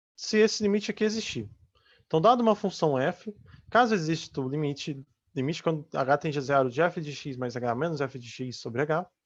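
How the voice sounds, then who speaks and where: Against a quiet background, a man with a fairly high pitch talks at a moderate pace with very wide pitch swings. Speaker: math lecturer. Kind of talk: lecture.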